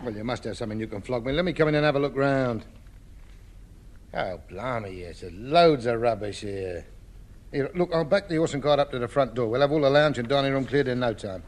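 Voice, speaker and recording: A man's voice: mid-range voice, animated, fairly quick, lightly acted. A man playing a wily junk dealer. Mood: wheedling. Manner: coaxing and cheeky. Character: wily, wheedling rag-and-bone dealer. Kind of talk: 1950s radio sitcom acting.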